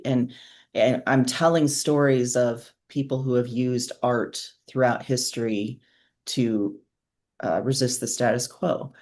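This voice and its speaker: Woman, slow unhurried pace, casual interview talk, thoughtful, informal, wry. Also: very deep voice, a little mellow. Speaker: author and podcaster, interview guest.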